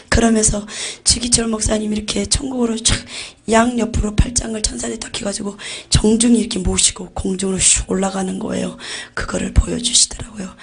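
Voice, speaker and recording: A woman's voice: mid-range voice, creaky, slightly rough. A woman giving an intense religious testimony about visions, often dropping to a near-whisper. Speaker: testimony giver.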